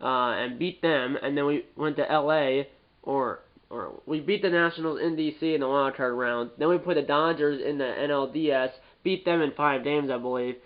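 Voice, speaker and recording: A gaming YouTuber with a stuffed-up nose from a cold gives casual, rambling gameplay commentary, often repeating and correcting himself. His voice sits at medium pitch, and the highs are cut off.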